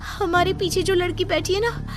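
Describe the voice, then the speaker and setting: Woman doing a scared young office girl, super high voice, frets about everything, light music behind. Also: fairly even intonation, normal speed. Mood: worried. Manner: anxious, fretful. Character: timid, jumpy young woman office worker.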